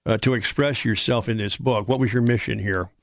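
A man hosts talk in an AM radio style. His medium-pitched voice is recorded close and dry in a studio. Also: fairly even intonation, a little fast, no room sound. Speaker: radio talk show host.

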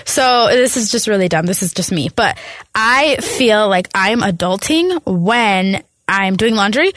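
A woman's voice: medium pitch, expressive, a little slow, a bit bright, no echo, clean studio sound. A woman in her twenties co-hosting a podcast, chatting casually in a self-mocking way and laughing often. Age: 20s. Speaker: podcast co-host. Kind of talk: casual chat.

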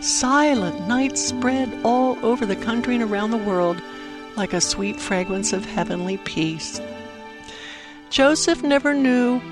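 A woman telling a dramatic Christmas story for children, with simple, expressive phrasing and emphatic pauses. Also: medium pitch. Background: music under the narration.

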